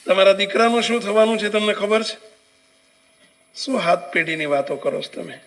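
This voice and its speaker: A man voicing a calm, all-knowing old holy man in measured, softened tones during a religious story. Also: high-pitched, rough recording. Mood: preaching.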